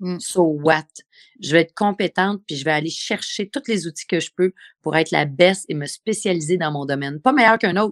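This woman has a fairly low pitch, ordinary pitch variation and a fairly quick pace, in a dry, close sound with no echo. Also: very clean recording, silent background. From Quebec, Montreal. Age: 40s. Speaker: sommelier and entrepreneur. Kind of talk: casual interview. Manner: animated.

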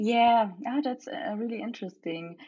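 A woman speaks with a German accent. Her pitch varies in an ordinary way. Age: 20s. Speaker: graphic designer and artist. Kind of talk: interview. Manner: hesitant, filler words.

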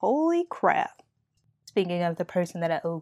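Slowly paced, a woman speaks at a fairly slow rate. The sound is dry and close with no echo, in a very clean recording with a silent background. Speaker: podcast host. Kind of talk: solo podcast monologue, casual. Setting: home recording, solo. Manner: chatty, informal.

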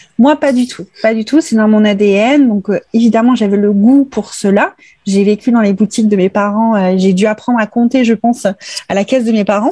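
A woman's somewhat breathy, dark and mellow voice sits at a fairly high pitch, moving at a moderate pace in a dry, close sound with no echo. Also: ordinary pitch variation. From French islands. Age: 30s. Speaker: business coach and entrepreneur. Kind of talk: casual interview chat.

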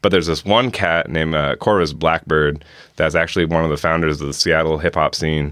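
Speaking at a fairly quick pace, a man with a very deep, low voice keeps his intonation fairly even. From Bremerton, Washington. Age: young. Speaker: musician. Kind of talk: casual interview chat.

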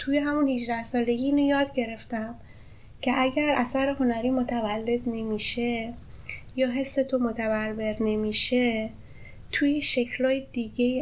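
A woman speaks in a high pitch at a fairly slow pace. Her intonation is monotone and flat. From Iran, Rudbar (Gilan). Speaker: graphic designer and poet. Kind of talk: casual interview.

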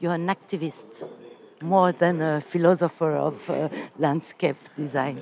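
Her voice is very deep and low for a woman, and her intonation is fairly even. She talks at a fairly slow pace. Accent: French. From France. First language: French. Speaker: radio host and journalist. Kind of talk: live radio hosting. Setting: circus tent with audience.

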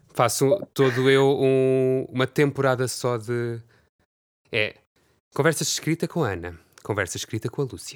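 A man's medium-pitched voice, fairly slow, with long, frequent pauses and ordinary pitch variation. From Portugal, Fundão (Beira). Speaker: podcast host. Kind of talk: casual interview chat.

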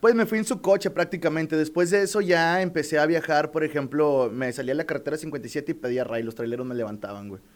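This man's voice sits at a fairly high pitch. He talks at a fairly quick pace with lively intonation. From northern Mexico, Piedras Negras, Coahuila. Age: 30s. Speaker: radio host. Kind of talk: casual chat. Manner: fast.

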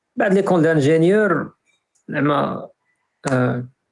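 A man with a somewhat breathy voice talks at a moderate speed, his intonation lively. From Morocco, El Jadida. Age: 20s. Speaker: AI engineer. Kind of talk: interview.

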